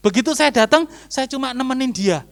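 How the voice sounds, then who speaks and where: A man with a Javanese accent, a pastor telling a funny personal story in a sermon, swinging between loud and hushed delivery. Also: very high voice, expressive, a little fast.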